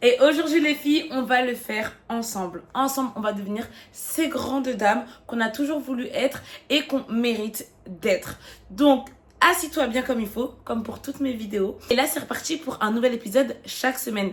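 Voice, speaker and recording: Noticeable background noise sits behind a woman's high-pitched, animated voice. She keeps a moderate pace with ordinary pitch variation. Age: 20s. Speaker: YouTuber giving life advice. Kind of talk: vlog talk to camera.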